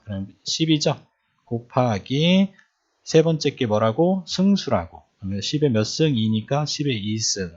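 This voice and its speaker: A man's voice: mid-range voice, a little mellow, breathy edge. A man teaching electronics in a lecture style, often repeating points and quizzing the listeners with questions. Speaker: electronics instructor. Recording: dull lo-fi recording.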